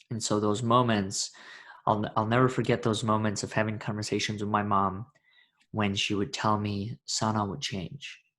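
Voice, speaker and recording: A man with a Russian accent, fairly low and monotone with flat intonation, at a moderate pace in a very clean recording with a silent background. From Russia, moved to US at 12. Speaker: podcast host and motivational speaker. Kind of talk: interview, personal life story.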